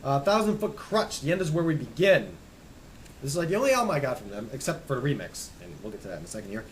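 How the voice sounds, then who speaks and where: A young man casually rambling as he shows off his music collection, stammering and restarting, hoarse and losing his voice. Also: mid-range voice, very animated, fast talker, a little hiss or hum, low-quality recording. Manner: enthusiastic, rambling, stammers and restarts, trails off quietly. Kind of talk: casual rambling show-and-tell.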